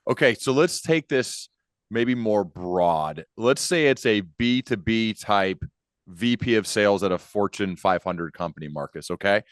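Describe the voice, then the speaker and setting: A man's voice: lowish voice, lively intonation, unhurried, no echo. An American man in his thirties hosting a podcast, asking questions in a casual conversational way, close on a studio microphone. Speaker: podcast host. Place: dim home studio. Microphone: large desk podcast microphone, close.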